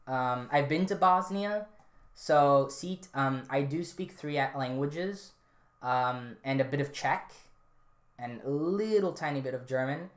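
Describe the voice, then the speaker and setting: Speaking a little slowly in a mid-range voice, this podcast host answers a live chat in an easygoing, meandering way. His speech is full of ums and restarts, and the sound carries a roomy echo.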